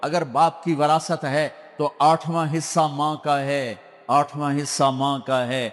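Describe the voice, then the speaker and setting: Fairly even intonation from a man with a fairly high pitch. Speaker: Islamic preacher. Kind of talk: religious sermon.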